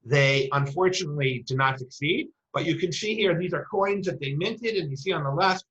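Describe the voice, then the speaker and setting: A woman's voice: low-pitched, fairly quick, highs cut off. A woman giving a teaching lecture on Jewish texts, telling stories and mixing Hebrew terms into her English. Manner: storytelling, retells quoted dialogue.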